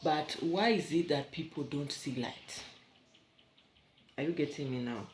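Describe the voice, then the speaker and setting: A woman's voice: sits low, unhurried, darkish tone. A Kenyan woman vlogging from her bedroom, chatting in a rambling way with asides to her viewers. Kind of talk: casual vlog chat. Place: bedroom at home. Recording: echoey room, faint background hum.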